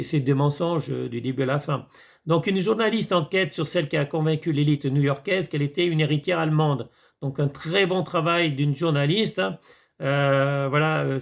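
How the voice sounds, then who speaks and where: Male commentator, gravelly and fairly high, rambling and hesitant, chatty monologue to viewers. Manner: rambling, hesitant with many fillers, addresses viewers as friends. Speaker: video commentator. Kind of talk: casual monologue reviewing a series.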